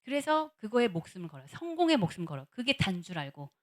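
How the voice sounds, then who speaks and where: A woman's voice: mid-range voice, very animated, fast talker. A woman giving a church lecture on counseling psychology. She asks the audience questions and acts out what other people say.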